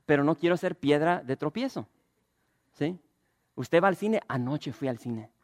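A man, a pastor preaching a lively sermon and asking the congregation questions. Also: on the high side, unhurried, no echo, studio quality.

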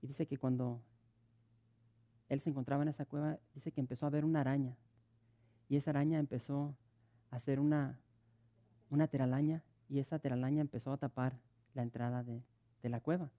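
Warm preacher, stumbling restarts. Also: male voice, medium pitch, steady tone, brisk, long pauses. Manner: storytelling with many stuttered restarts. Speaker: pastor. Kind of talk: sermon.

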